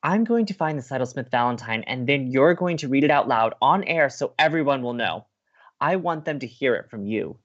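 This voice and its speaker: A man acts as an idealistic young college radio host with a medium-pitched voice. He is sincere and determined, in a natural audio drama style. The recording sounds slightly muffled. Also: expressive, brisk, lightly acted. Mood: earnest, determined.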